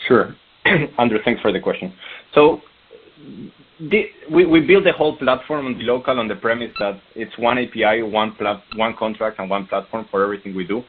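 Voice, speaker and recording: A man with a fairly low voice speaks over a narrow, tinny phone line. He answers analysts as a company executive, explaining things through short rhetorical questions. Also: a little fast, husky. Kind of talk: earnings call answers. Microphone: conference call line.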